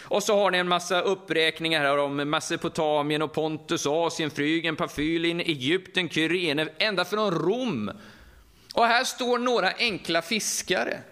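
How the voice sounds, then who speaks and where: Swedish preacher with a Västergötland accent. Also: male voice, a little high. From Sweden, Västergötland. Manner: lively, conversational, often asks the audience. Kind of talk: sermon.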